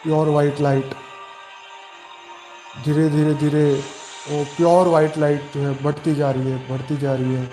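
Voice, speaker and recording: A man speaking as a meditation guide, calm and soothing, giving slow, repetitive instructions with long pauses in Hindi. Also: a little high. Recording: roomy echo with background music. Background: meditation music.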